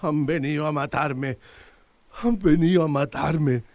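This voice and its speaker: A man's voice: fairly high pitch, measured pace. An actor playing an embittered, mournful old indigenous man, speaking plainly and deferentially in a radio drama. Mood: terrified. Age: older. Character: anguished, embittered old indigenous man, last of his people.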